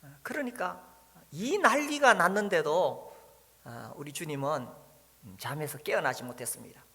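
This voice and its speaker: A male pastor preaches a sermon, his raised, bright voice swinging widely in pitch. He muses aloud, dotting his phrases with "ah" and "uh", and asks the congregation questions. His voice rings with the long reverb of a church hall. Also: animated, moderate pace, creaky. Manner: frequent "ah" and "uh" fillers, musing and questioning. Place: church sanctuary.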